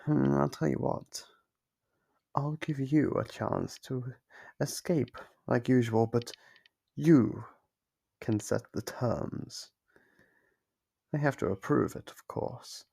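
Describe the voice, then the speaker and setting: A man playing a sadistic, playfully menacing monster captor in an ASMR horror roleplay, with a gravelly, husky voice and a slow, teasing delivery. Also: medium pitch, dark tone, full character voice.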